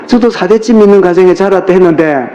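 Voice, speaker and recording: A man's voice: sits high, fast, warm tone, a little hiss or hum. A middle-aged man with a Gyeongsang Korean accent preaching a sermon as pastor, speaking colloquially and firing rhetorical questions at his congregation. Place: church sanctuary. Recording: roomy, dull lo-fi church recording.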